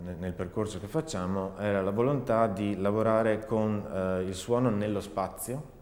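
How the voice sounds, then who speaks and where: A man's voice: on the low side, normal speed, darkish tone. A man in his forties explaining his artistic work in an interview, thoughtfully, with searching restarts. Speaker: performing artist and sound researcher. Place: dark indoor studio, seated. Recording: roomy, reverberant hall sound.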